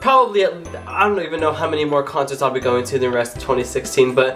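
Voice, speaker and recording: Over faint music in the background, a man talks at a very fast pace with ordinary pitch variation. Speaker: vlogger. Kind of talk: casual vlog chat. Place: home room. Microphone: webcam.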